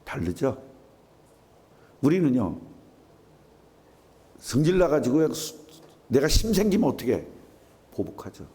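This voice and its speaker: A male pastor preaching a sermon, asking his congregation rhetorical questions in an animated way. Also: medium pitch, slow pace, pauses often. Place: church sanctuary.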